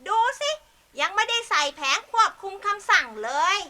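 A woman's voice: very high voice, lively intonation, normal speed, bright, forceful tone, heavily acted. A woman voicing a prim, ladylike butterfly in a children's storybook play, fussing and chiding. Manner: fussy, lady-like.

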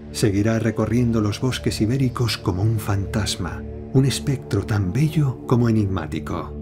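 Deep-voiced man narrating a nature documentary. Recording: studio voice-over over prominent music. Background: music, animal sounds.

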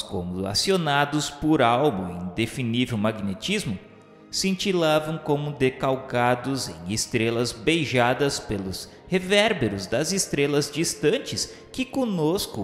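A man's voice: mid-range voice, big pitch swings, measured pace. Guy doing solemn radio drama narration, super echoey, music behind him. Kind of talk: scripted literary radio-novela narration. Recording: echoey long reverb over music.

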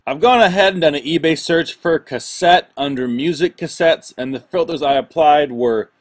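Young American male, slightly high voice, casual how-to vlogger delivery over music. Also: normal speed. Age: young adult. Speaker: online reselling vlogger. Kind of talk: casual instructional vlog talk. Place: indoor room stacked with boxes.

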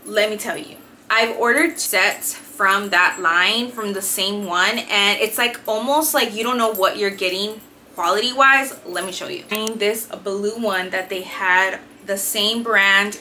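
Bright, chatty young woman vlogger. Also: medium pitch, slight background noise. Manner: chatty, enthusiastic, lots of "like" fillers. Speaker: fitness and beauty vlogger. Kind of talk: casual haul review to camera. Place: small decorated bedroom, indoors.

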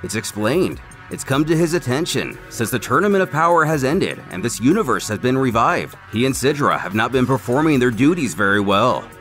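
A man's voice: mid-range voice, sing-song, brisk, few pauses, fairly bright tone. A man reading scripted narration, recapping a comic story as its narrator. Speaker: narrator recapping a fan manga. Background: background music.

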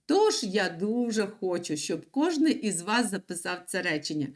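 A woman teaching young children an online reading and writing lesson, explaining patiently step by step. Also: mid-range voice. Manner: slow, patient, lively sing-song explaining. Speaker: primary school teacher.

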